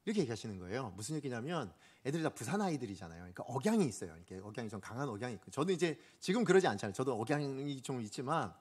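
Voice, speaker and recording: A Korean male pastor preaches a sermon, racing along with hardly any pauses in a medium-pitched voice with a breathy edge. Animated, he tells a story from his own ministry, questions the congregation, and acts out what people said.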